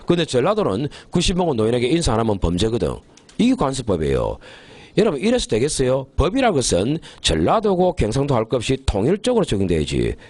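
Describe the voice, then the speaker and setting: A man lecturing on criminal law for an exam course, emphatic and often checking that the class follows, slowing down to dictate key phrases. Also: mid-range voice, wildly swooping pitch, darkish tone, no room sound. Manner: emphatic, keeps asking the class to confirm.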